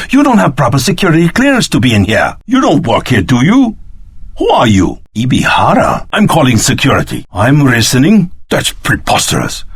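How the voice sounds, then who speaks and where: A man's voice: on the high side, breathy edge, no room sound, exaggerated voice. An actor voicing an agitated, earnest male research scientist in a video game. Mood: alarmed, incredulous. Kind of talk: dramatic video game voice acting.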